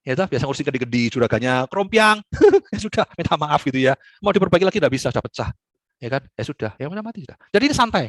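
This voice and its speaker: Man, Buddhist teacher, fast, slightly high voice, dry close sound, playful live talk. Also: no echo. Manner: joking, colloquial and lively.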